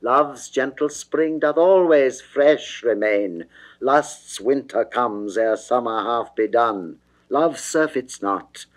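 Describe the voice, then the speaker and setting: Man acting a proud, indignant young man, slow declamation. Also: medium pitch, close to an everyday voice. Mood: indignant, scornful. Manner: emphatic, declamatory, measured. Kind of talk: classical dramatic verse reading.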